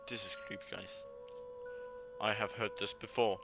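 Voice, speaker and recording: Male let's player, lowish voice, visual novel narration, casual asides, prominent background music. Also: flat delivery, normal speed, creaky. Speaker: let's play host.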